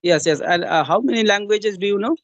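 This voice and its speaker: High-voiced man, dry close sound. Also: no echo, highs cut off. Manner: repeats "yes, yes" as backchannel, halting questions. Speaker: interviewer, English practice partner. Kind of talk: conversation practice interview.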